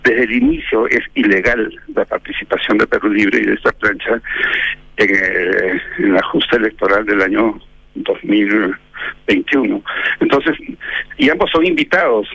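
Forceful, dry-voiced male political analyst. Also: on the low side, normal speed, vocal fry, no echo, dull audio. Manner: emphatic, argumentative, ironic asides. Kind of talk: radio interview commentary.

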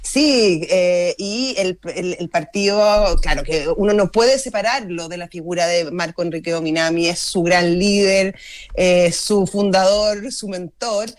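Woman co-host, quick bantering morning-radio chat. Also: fairly low pitch.

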